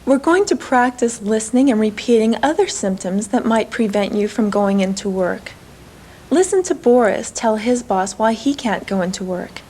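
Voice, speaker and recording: A woman with a fairly high voice narrates a language lesson in a clear, measured way. Her scripted instructions are steady and easy to follow, with a faint hiss behind her. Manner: clear, measured teacher delivery.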